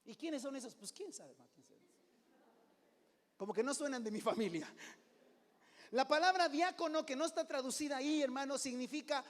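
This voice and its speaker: A middle-aged man preaching as a pastor, conversational, often calling "hermano", swinging between loud and hushed. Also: extremely high pitch, expressive, fairly quick, long pauses. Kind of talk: sermon. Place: church sanctuary. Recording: long hall reverb.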